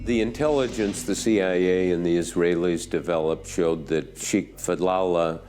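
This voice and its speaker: A man in an interview choosing his words carefully and deliberately. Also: low-pitched, darkish tone, faint music behind.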